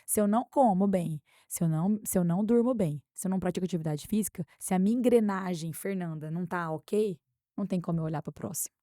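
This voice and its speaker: A woman with a Brazilian accent, speaking as a guest expert in an interview and telling anecdotes in a lively way. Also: fairly low pitch, quick pace, dry recording, studio quality. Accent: Brazilian Portuguese. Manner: animated anecdote-telling, acts out quotes. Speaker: guest expert on workplace harassment. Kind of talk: conversational interview storytelling.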